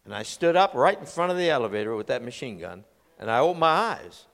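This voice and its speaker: Guy preacher, bright lively voice, big echoey church hall, acts out the story. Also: mid-range voice, quick pace. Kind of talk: humorous sermon illustration.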